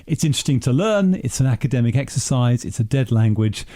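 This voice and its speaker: A man talks quickly in a radio studio with a dark, mellow voice. He gives his opinions bluntly and firmly, brushing ideas aside with conviction. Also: mid-range voice, animated. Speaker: studio guest, businessman. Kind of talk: casual radio discussion.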